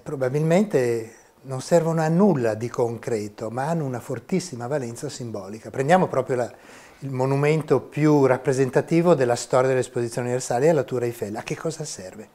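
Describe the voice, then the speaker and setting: Uomo sulla sessantina, tono pacato e didattico. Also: male voice, mid-range voice, warm tone. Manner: measured, explanatory, gesturing with his hands. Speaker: history of science professor. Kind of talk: interview answers. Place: small university office. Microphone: lapel mic.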